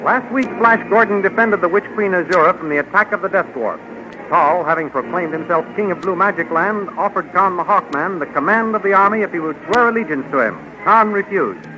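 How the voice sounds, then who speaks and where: A man's voice: high-pitched, animated, brisk, background noise. A man announcing and narrating a 1930s radio serial in a formal, declamatory manner. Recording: dull lo-fi 1930s radio recording. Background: music.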